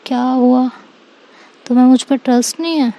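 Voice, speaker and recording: A woman voicing a hurt, insistent young woman who presses with quick questions, in a plain reading voice. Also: high voice, fairly even intonation, dark tone. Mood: pleading.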